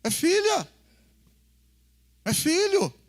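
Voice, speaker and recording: A man's voice: very high voice, big pitch swings, very slow. A man with a Brazilian accent preaching a folksy, conversational sermon, calling the congregation brother and acting out family scenes. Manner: folksy, acts out family dialogues. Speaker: pastor.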